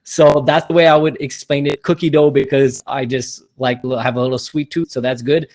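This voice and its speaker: A man's voice: medium pitch, level tone, a little fast, darkish tone. A man from Canada with an Armenian heritage, a podcast guest talking enthusiastically, repeating words and tagging lines with "right?". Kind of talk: casual interview talk.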